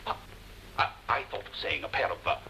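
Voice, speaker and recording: An actor playing a pompous, self-satisfied husband who loves making grand speeches, in a 1950s television drama. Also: male voice, fairly quick, bright, forceful tone, slight background noise, low-quality recording.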